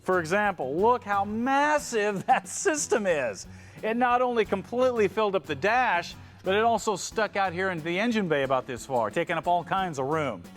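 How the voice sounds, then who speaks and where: A man's voice: sits high, animated, normal speed, a bit bright, faint music behind. A man hosting an automotive build show, explaining things in a folksy, instructional way. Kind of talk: instructional TV presenting.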